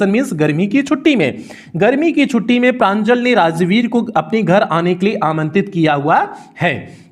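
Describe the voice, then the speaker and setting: A man with a North Indian accent teaching a textbook lesson, reading each phrase and then repeating its meaning slowly. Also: high-pitched. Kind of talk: bilingual line-by-line textbook explanation.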